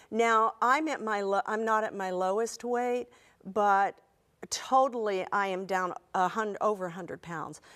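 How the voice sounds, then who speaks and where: A woman speaks at a fairly slow pace in a plain, everyday voice, fairly high in pitch with ordinary pitch variation. The recording is very clean, with a silent background. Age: 60s. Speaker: cooking show guest chef. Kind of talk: casual chat.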